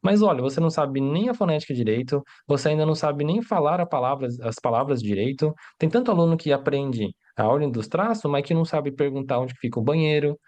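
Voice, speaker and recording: A man's voice: a little high, animated, fast talker, hardly any pauses, darkish tone. Man explaining with rhetorical questions. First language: Mandarin. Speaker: Mandarin teacher. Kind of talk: livestream lesson.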